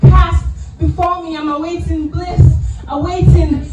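A young woman, possibly with a Nigerian English accent, performing spoken word poetry into a handheld mic in a lounge, soft and measured, building to emphatic lines. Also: extremely high pitch, steady tone, dull audio. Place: small lounge venue, indoors. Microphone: handheld mic, filmed by phone from the audience. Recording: roomy, distant, loud music behind.

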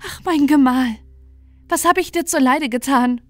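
A woman's voice: high voice, normal speed, a bit bright, dry recording, soft background music, pitched above the performer's own voice. A woman voicing a desperate young noblewoman who pleads tearfully. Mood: pleading.

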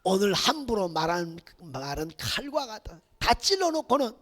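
A man preaching a Sunday sermon as pastor, swinging between shouted exhortation and hushed near-whispers. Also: sits high, very animated, normal speed. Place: church sanctuary. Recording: reverberant church hall.

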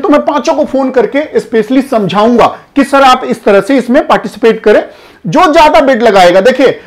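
A man in his thirties who hosts a channel, explaining an auction listing to camera in a lively, direct way, recorded indoors on a lapel mic. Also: very high voice. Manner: energetic, gestures broadly, addresses viewers directly. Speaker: customs auction consultant and channel host. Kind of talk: explainer to camera in front of a screen. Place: indoor studio before a projected screen.

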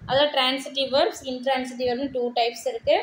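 A woman teacher with a Tamil accent goes through textbook answers, reading English sentences slowly and deliberately. Her voice sits a little high. The room is echoey, with a faint hiss underneath. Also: flat delivery. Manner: mixes Tamil with English terms, reads English sentences slowly word by word.

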